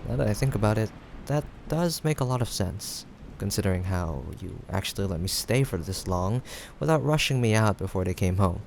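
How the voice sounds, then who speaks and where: A young man playing a playful, caring friend in a casual improvised audio roleplay, teasing yet reassuring, with hesitant pauses. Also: fairly low pitch, expressive, vocal fry. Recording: faint background noise, rain ambience. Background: rain sound effects.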